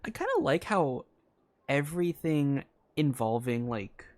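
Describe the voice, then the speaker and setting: A woman's voice: very deep voice, big pitch swings, unhurried, darkish tone. A woman streamer giving casual game commentary, theorizing aloud in a rambling way that keeps circling back. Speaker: streamer playing and reacting to a game.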